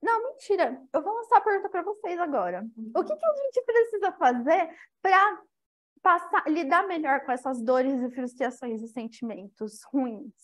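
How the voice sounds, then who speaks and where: A woman's voice: high-pitched, normal speed. A young woman lecturer giving a spiritual talk and addressing her audience directly. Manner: lively, engaging the audience directly.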